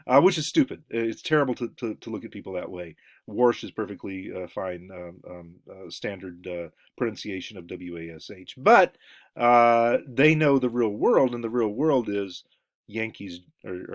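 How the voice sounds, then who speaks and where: A man giving a lecture, halting with many fillers and restarts. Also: lowish voice, animated. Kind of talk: recorded lecture.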